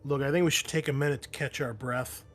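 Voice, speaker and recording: A man voicing a cautious, urgent male marine in a tabletop game, reasoning haltingly and insistently. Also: mid-range voice, steady tone, fairly bright tone, faint music behind, lightly acted. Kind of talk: in-character roleplay dialogue.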